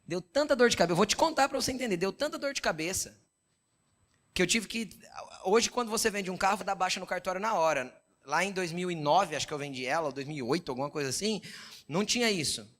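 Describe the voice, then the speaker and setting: A man's voice: high-pitched, expressive, quick pace, a bit bright. Man with a Brazilian accent preaching conversationally. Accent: Brazilian Portuguese. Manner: conversational preaching with frequent "entendeu?" check-ins; storytelling, quoting God and his wife in dialogue. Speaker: pastor. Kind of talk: sermon.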